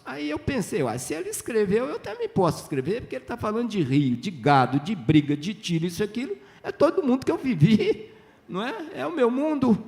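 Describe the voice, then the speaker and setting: A man's voice: sits high, creaky. An older man from Minas Gerais, telling chatty stories as a writer on a literary festival panel, often acting out dialogue. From Minas Gerais, Brazil. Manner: lively, chatty, tag questions, acts out dialogue.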